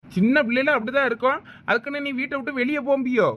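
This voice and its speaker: A man's voice: very high voice, steady tone, fast, highs cut off, a little hiss or hum. A man voicing a stern but doting village father in a cartoon, with a Thoothukudi Tamil accent. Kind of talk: cartoon voice acting.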